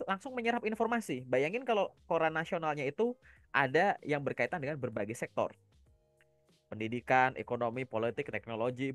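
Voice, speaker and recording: Chatty higher-voiced male coach. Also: dry recording. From Java, Indonesia. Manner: explanatory, asks listeners rhetorical check-in questions. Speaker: career coach. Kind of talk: casual coaching talk.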